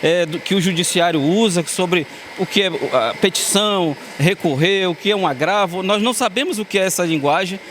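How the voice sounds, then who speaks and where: A man with a Brazilian Amazonas accent speaks as a community leader in a news interview, earnest and full of restarts. His voice sits a bit high for a man. Clear outdoor noise with passing vehicles runs behind him. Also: fairly bright tone. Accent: Brazilian Portuguese, Amazonas. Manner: halting, restarts often, earnest.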